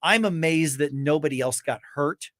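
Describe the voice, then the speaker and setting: Halting male talk radio host. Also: on the high side, fairly bright tone, dry recording, studio quality. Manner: halting, many restarts and fillers. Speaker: morning radio show host. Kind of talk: casual talk radio banter. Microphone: studio microphone.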